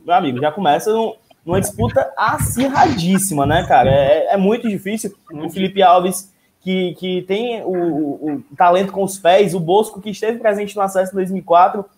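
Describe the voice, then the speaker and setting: Guy hosting a live football chat, pretty high voice for a man, earphone mic. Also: normal speed, darkish tone. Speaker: host. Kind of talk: casual live sports talk. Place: room at home, indoors. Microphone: wired earphone mic on video call.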